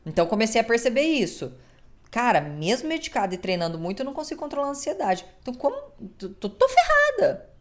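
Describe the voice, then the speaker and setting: A Brazilian woman in her thirties with a medium-pitched voice and a Brazilian Portuguese accent hosts a podcast. Her monologue is casual and expressive, with occasional swearing and impressions of the people she quotes.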